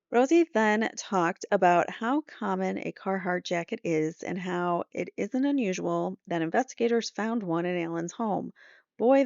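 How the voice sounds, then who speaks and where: A middle-aged woman with a noticeably creaky, mid-pitched voice gives a recap of a trial, reading updates aloud and breaking off for casual asides. The sound is dry and close, if a little dull. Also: darkish tone, no echo.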